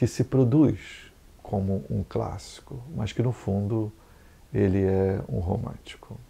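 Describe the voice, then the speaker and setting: A man at a very slow pace with long, frequent pauses, fairly low pitch, lively intonation, a dark, mellow tone and a somewhat breathy sound. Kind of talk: informal lecture-style talk on literature and film. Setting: recorded in a hotel room. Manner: whispered, soft.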